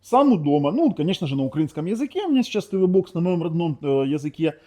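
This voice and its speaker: Talking fast in a warm, fairly high voice with wide pitch swings, a Ukrainian-native tech reviewer shows off a TV box. It's a casual, meandering demo where he keeps correcting himself and adding sarcastic comments.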